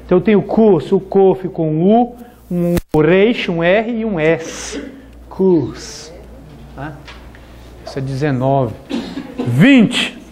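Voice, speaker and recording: A man's voice: high-pitched, lively intonation, a little mellow. A man teaching a classroom lesson, who repeats each word and ends his phrases with "né?" and "tá?". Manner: slow and deliberate, repeating words and ending with "né?" and "tá?". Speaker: Hebrew teacher. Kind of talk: classroom lecture.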